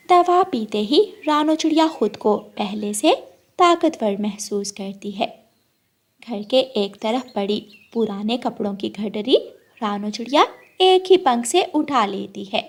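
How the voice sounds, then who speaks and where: A woman narrating a cartoon story in a calm, measured storytelling manner. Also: on the high side.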